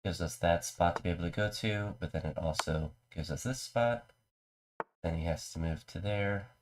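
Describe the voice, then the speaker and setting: A man's voice: normal speed, noisy background. A man with a mild cold and a congested voice, casually talking through his chess moves on a live stream. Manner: low-key, talks through his moves.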